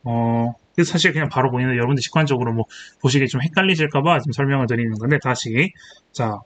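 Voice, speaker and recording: A man's voice: medium pitch, quick pace. A young man in his twenties tutoring chemistry, walking through exam problems and thinking aloud as he writes, checking in with rhetorical questions and correcting himself. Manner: self-correcting, thinking aloud while writing. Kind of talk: exam problem walkthrough lecture. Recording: faint hiss.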